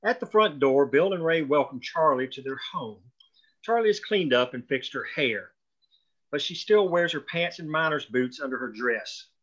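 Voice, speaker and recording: A man's voice: a little high, lively intonation, normal speed, a bit bright. A man narrating screenplay stage directions in a scripted read, on dull lo-fi audio.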